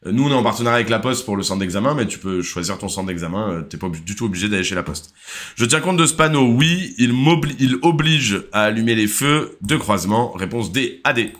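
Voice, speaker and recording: A man's voice: on the low side, quick pace. A young man with a French accent, hosting a casual live driving-theory quiz, chatty and hesitant, reading questions and answering viewers. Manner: relaxed, chatty, full of hesitations. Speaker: driving school live host.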